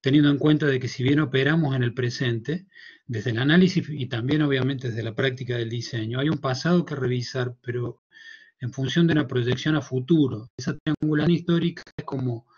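Cordobés man in his fifties, professor giving a halting conference talk from home on a headset, muffled call audio. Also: mid-range voice, a little mellow, husky. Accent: Cordobés Argentine Spanish. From Córdoba, Argentina. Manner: thoughtful, hesitant, many fillers and restarts. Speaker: university professor presenting a paper. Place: small room at home.

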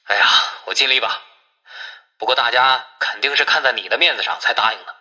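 Man doing a sharp, grumbling villager on the phone. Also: medium pitch, fairly quick. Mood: reluctant, grumbling. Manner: exclaiming, reluctant, complaining.

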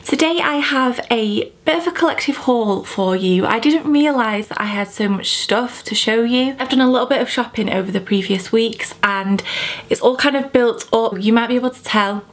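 A woman's voice: a little high, moderate pace. A young woman talks to the camera from her bedroom, her voice thick and bunged up from a cold. She chats in a gushing, casual way, with plenty of "um" and "kind of". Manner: chatty, gushing, many fillers like "um" and "kind of". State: congested with a cold, sore throat. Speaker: fashion vlogger. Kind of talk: casual haul chat to camera. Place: bedroom, indoors, small.

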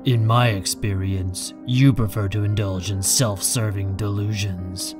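A man's voice: fairly low pitch, fairly even intonation, measured pace, over music, close to an everyday voice. A man playing a proud, coldly angry man in an audio drama, speaking with cutting, sardonic control. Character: proud, defiant, coldly angry man facing his enemy.

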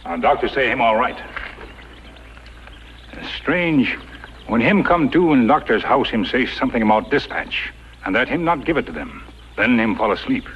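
An actor playing a loyal, stoic Native American companion in a 1950s radio western, talking in terse broken English. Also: male voice, mid-range voice, expressive, normal speed, pauses often, close to an everyday voice. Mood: puzzled. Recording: dull, noisy 1950s radio recording.

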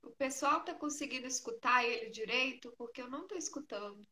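A woman with a Brazilian Portuguese accent speaking gently and encouragingly to a prayer group over a phone call. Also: high-pitched, fairly quick. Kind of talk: prayer meeting talk. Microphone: phone on an online call.

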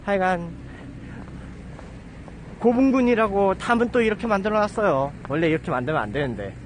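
A man's voice: sits high, lively intonation, a little fast, a little hiss or hum. A man in his thirties chatting casually to a phone held at arm's length as he walks outdoors on a residential street, rambling with self-mocking asides. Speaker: live streamer. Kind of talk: casual walking livestream chat. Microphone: handheld phone at arm's length.

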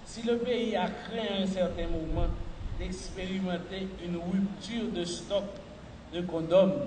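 A middle-aged man gives a formal, measured speech as a health official at a podium mic in a large hall. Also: high-pitched. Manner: measured, deliberate official delivery. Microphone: podium mic on a stand. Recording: echoey hall, far from the mic, noisy.

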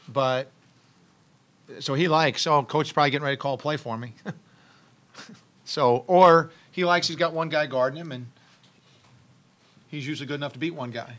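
Halting middle-aged coach at press table. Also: male voice, medium pitch, fairly bright tone. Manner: halting, many restarts and ums, thoughtful. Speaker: head basketball coach. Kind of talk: postgame press conference. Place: press room with logo backdrop, seated at table. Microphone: table mic on stand.

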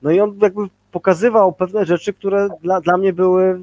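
A man's voice: sits high, steady tone, moderate pace, darkish tone, no room sound, dull audio. A man in his forties talking casually on a video call as a guest leadership trainer, rambling with many fillers and tag questions.

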